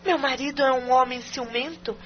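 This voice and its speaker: A woman's voice: high-pitched, steady tone, normal speed, close to an everyday voice. A woman playing an anxious, hesitant wife. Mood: worried. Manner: hesitant, worried. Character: anxious young wife, fearful of her jealous husband. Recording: dull lo-fi radio recording with hum.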